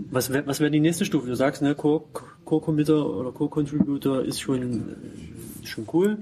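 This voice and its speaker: A man talks at a fairly quick pace in a fairly high pitch with ordinary pitch variation. Noticeable noise sits in the background. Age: 30s. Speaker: podcast co-host. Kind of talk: casual chat. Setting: conference venue.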